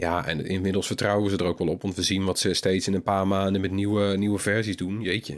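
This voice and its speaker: A man with a fairly low voice speaks at a moderate pace in a very clean recording with a silent background. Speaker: tech podcast host. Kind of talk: casual chat. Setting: home recording.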